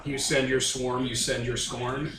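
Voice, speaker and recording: A man's voice: medium pitch, little pitch movement, a little slow, fairly bright tone. A man acting as game master, improvising narration and banter in a casual, emphatic way. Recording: roomy echo, off-mic, music underneath. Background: music.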